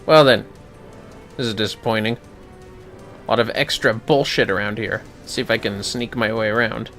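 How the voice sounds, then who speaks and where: A man's voice: fairly low pitch, steady tone, normal speed, fairly bright tone, faint music behind. A man giving casual, foul-mouthed commentary on a gaming livestream, muttering to himself with playfully theatrical outbursts.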